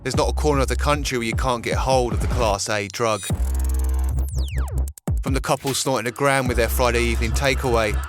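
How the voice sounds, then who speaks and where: A man's voice: medium pitch, fairly even intonation, a little fast. Male narrator over music. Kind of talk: scripted documentary narration. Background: music bed.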